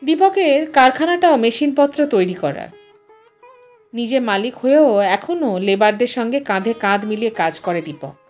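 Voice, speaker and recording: A woman tells a literary story as an expressive narrator. Her voice is a little high. Music plays behind her reading. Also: normal speed.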